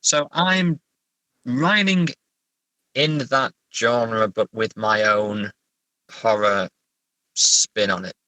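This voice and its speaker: A man talking casually as a writer being interviewed, halting as he thinks aloud. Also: lowish voice, bright, forceful tone, dry recording, poor audio. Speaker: writer, podcast guest. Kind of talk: casual interview chat about writing.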